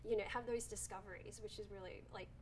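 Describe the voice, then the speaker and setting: A woman's voice: mid-range voice, fairly even intonation, fast talker, slight background noise. A woman with an Australian accent, a director talking casually about her film, full of "like" and "um". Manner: chatty, heavy use of "like" and "um". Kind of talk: casual interview answers.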